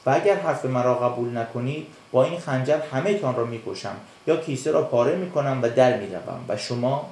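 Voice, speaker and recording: A man's voice: mid-range voice, animated, a little mellow, slight background noise, natural voice. A man voicing a brave, clever little black fish who speaks firmly and with scorn for cowards, in a storybook reading. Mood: defiant. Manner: scornful, firm. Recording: echoey room.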